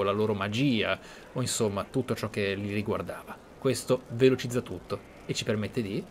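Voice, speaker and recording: Reflective man over game ambience. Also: on the low side. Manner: reflective, explanatory. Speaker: host of a gameplay series. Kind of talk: role-play game commentary. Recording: clear background game ambience noise.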